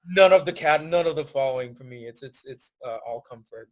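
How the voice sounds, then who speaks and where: A relaxed young man from Thailand chats as a podcast guest, speaking at an ordinary pitch. He answers in an easygoing, thoughtful way. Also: a little fast, rough recording. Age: 20s. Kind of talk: casual interview chat.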